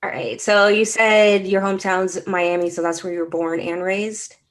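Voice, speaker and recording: A woman's voice: medium pitch, little pitch movement, normal speed, a little hiss or hum. A woman hosting an interview podcast, upbeat and friendly, asking questions in a casual way. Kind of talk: scripted intro, then casual interview.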